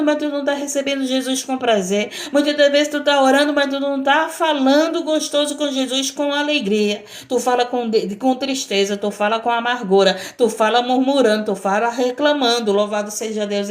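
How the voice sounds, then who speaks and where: A woman's voice: sits high, steady tone, a little fast, hardly any pauses. A woman missionary preaching a sermon, emphatic and repetitive, often breaking in with praise.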